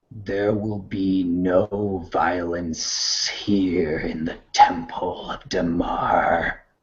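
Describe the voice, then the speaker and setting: Putting on a character voice, a man growls at a very slow pace in a very deep, low pitch. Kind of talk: well-spoken, formal. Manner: authoritative, calm.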